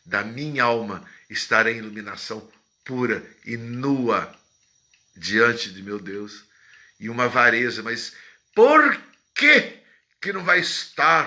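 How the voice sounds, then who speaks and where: With a bright, sharp tone at medium pitch, a man speaks at a very slow pace, leaving long, frequent pauses, his loudness swinging widely amid audible room echo. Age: 60s. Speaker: philosophy teacher. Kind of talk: lecture. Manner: animated.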